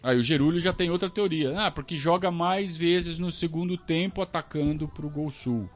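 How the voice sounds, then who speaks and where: A Brazilian man hosting a casual live stream, talking to his audience in an animated, ranting way. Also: medium pitch. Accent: Brazilian Portuguese. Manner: animated, talks to the audience, rants and self-questions. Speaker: podcast host reading superchats. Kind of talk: casual live-stream chat about football.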